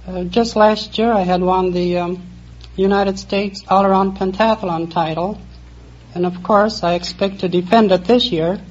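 A woman in her forties from Poland, a quiz contestant, answering in a hesitant, halting way. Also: mid-range voice, steady tone, a little mellow, a little hiss or hum. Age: 40s. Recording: dull old radio broadcast.

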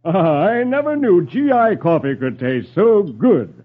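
Man doing a stuffy self-important colonel, husky, old radio muffle. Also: high-pitched, sing-song, unhurried, pitched above the performer's own voice, heavily acted. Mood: pompous. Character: pompous army colonel, older man. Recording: dull old radio recording.

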